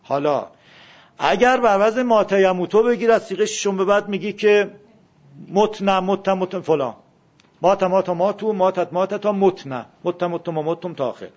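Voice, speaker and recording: A man teaching a classroom lesson, questioning his students and drilling word forms aloud. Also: high-pitched. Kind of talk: classroom lesson on Arabic grammar. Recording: dull lo-fi classroom recording.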